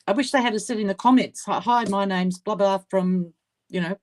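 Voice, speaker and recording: A woman's voice: mid-range voice, fairly quick, darkish tone. A woman from Sydney with an Australian accent, chatting casually on a jewellery live stream, rambling and searching for words. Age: older. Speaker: jewellery-making guest.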